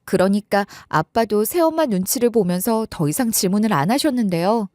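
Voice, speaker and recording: A woman's voice: mid-range voice, lively intonation, brisk, a little mellow, no room sound, studio quality. Chatty young woman narrating a story. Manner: chatty, conversational. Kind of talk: first-person story narration.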